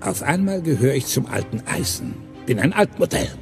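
An actor playing a resigned old robot inventor who talks in a paternal, discouraging way in a children's film audio play. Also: male voice, mid-range voice, sing-song, normal speed, creaky, music in the background. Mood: resigned, bitter. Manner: discouraging, paternal, world-weary. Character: weary, resigned old male robot, retired idealistic inventor.

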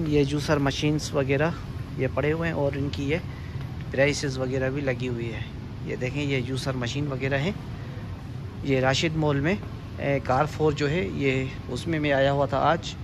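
A man walking through a supermarket with his phone, leisurely pointing out the goods and reading their prices. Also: medium pitch. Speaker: vlogger. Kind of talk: walking store tour vlog. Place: large indoor supermarket. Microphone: handheld phone camera. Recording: noisy store ambience.

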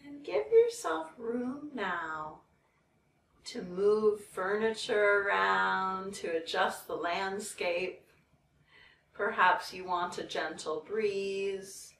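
A woman leading a guided meditation in a soothing, measured way, leaving long pauses between phrases. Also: medium pitch, a bit bright. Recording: roomy, distant mic, background noise.

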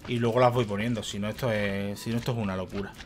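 A man's voice: fairly low pitch, fairly even intonation, fast, slight background noise. A young man commentating a video game, exasperated, swearing and muttering to himself. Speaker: gaming youtuber. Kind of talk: let's play commentary.

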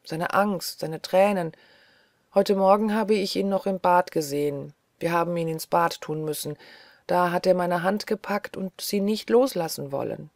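A woman's voice: lowish voice, normal speed, dry recording, clean studio sound, close to an everyday voice. A woman voicing a weary, agitated young woman doctor who talks in restless, pleading chatter. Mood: pensive.

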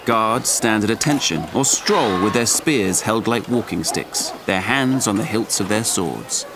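An actor playing a reflective storyteller at a medieval French court, narrating an audio drama in a measured, wry, descriptive way. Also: male voice, on the low side, animated. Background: music.

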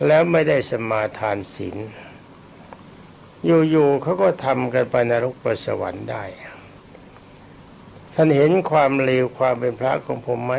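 A man's voice: medium pitch, gravelly, a little mellow, a little hiss or hum. An elderly man, a Buddhist monk, giving a rambling, self-deprecating dharma talk while ill and coughing often. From Thailand. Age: older. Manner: rambling, self-deprecating, pauses to recall names and dates.

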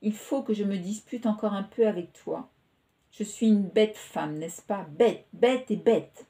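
A woman's voice: mid-range voice, measured pace, dark tone, close to an everyday voice. A woman reading the part of an emotional young woman who pours out her affection in a pleading, impulsive way, in a storybook reading. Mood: pleading, tender.

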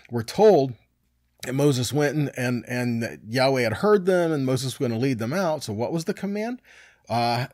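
A man's voice: medium pitch, a little mellow, no echo, clean studio sound. A middle-aged man teaching scripture conversationally, emphatic, posing rhetorical questions and checking in with his listeners. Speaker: Bible teacher. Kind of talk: conversational scripture teaching, reading verses and explaining.

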